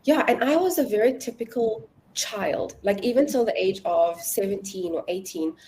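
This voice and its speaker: South African woman, 20s, warm mellow tone, relaxed talkative interview guest. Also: mid-range voice, normal speed, a little hiss or hum, low-quality recording. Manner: chatty, laughs easily, many fillers. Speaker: guest, language tutor. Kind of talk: casual conversational interview.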